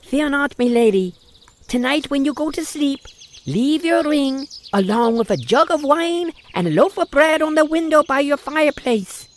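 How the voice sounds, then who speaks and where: A woman playing a mysterious fortune-telling gypsy in an old-time radio drama, speaking in a slow, soothing, mystical way. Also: high-pitched, expressive. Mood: reassuring.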